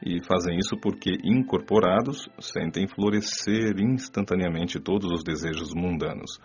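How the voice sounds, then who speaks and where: A Brazilian man playing a calm, serious spirit mentor, explaining things in a measured, didactic way for an audiobook radio novel. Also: low-pitched, lightly acted. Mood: calm, instructive. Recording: dull lo-fi audio with music. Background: music.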